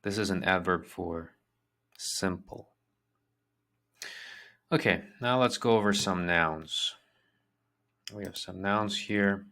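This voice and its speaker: A man teaching a vocabulary lesson, repeating each word twice in a slow, patient way. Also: deep voice, creaky, fairly bright tone. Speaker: language teacher.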